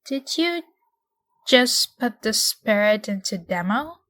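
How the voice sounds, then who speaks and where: Worried doubtful young lady, acted, high and sharp, dry sound, incredulous. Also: animated, slow, no room sound. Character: anxious, doubtful young female homeowner.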